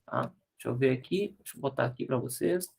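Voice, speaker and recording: A man with a Brazilian Portuguese accent teaches an online grammar lesson, patiently explaining rules and checking in with frequent tag questions. He spells letters out slowly and corrects slide errors aloud. His mid-range voice is a little mellow and husky, with vocal fry.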